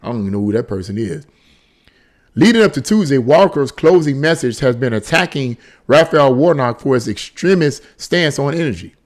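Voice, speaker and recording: A man's voice: medium pitch, expressive, normal speed. A man giving unscripted, opinionated political commentary on the news, exasperated, with stammering restarts and phrases repeated for emphasis.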